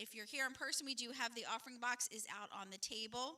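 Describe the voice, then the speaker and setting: Loud and bright, a woman's high, sharp-toned voice moves with ordinary pitch variation. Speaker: church announcer. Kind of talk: church announcements.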